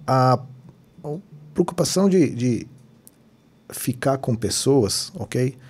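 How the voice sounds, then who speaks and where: Israeli-accented male guest, mellow husky tone, explains things and checks in often. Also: mid-range voice, expressive, takes it slowly. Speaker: podcast guest. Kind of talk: casual chat.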